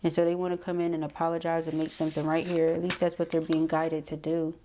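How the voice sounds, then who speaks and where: Woman, slightly low pitch, soft dark tone, casual intuitive card reading, conversational, frequent check-in tags. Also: monotone, quick pace, slight background noise. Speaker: tarot card reader.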